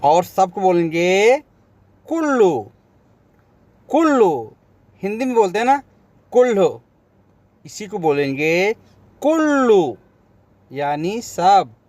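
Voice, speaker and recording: A man's voice: high-pitched, animated, takes it slowly, pauses often, a little mellow, no room sound. A man teaching vocabulary, repeating each word and then giving its meaning. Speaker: language teacher. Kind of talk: vocabulary lesson.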